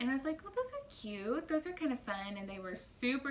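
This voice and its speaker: There is noticeable background noise behind a woman's voice. Her tone is animated. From Germany, moved to US at seven. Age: 30s. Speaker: weight loss vlogger. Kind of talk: casual vlog update. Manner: chatty, animated.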